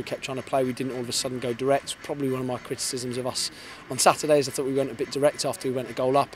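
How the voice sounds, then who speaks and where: A man in his thirties talks fast and earnestly into a handheld mic, his pitch held fairly flat as he restarts phrases with repeated words. Outdoor stadium noise sits clearly behind him on the night pitch. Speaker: football head coach. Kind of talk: post-match interview. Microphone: handheld reporter's mic held in front.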